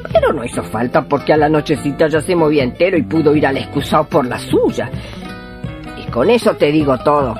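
In radio theatre, an actress with a low female voice plays a boastful older Argentine village healer. She tells tall tales in colloquial, theatrical, drawn-out phrases.

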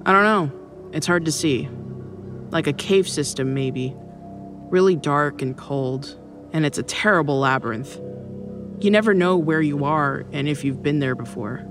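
A man's voice: fairly high pitch, a little slow, close to an everyday voice. An actor voicing an eerie, unsettling girl in a narrated horror story, with music behind. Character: eerie giggling young girl who digs.

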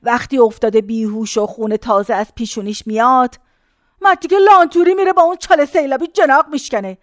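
A woman's voice: fairly high pitch, no room sound, studio quality, lightly acted. An actress playing a very old woman in a care home, who rambles folksily between memories and complaints. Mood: reminiscing. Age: older.

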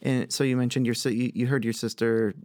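A man with a smooth, clear voice interviews a musician in a relaxed, thoughtful way, pausing now and then to find his words. The sound is dry and close to the mic. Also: mid-range voice, dry recording. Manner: thoughtful, conversational, some hesitations. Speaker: guest host. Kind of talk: casual interview questions.

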